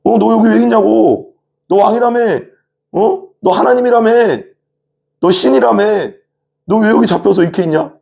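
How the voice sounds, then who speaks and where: A man's voice: high-pitched, moderate pace, vocal fry, dark tone, pitched above the performer's own voice. A man doing a sneering, jeering soldier. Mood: mocking. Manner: taunting, sneering rhetorical questions. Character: jeering male soldier mocking a prisoner.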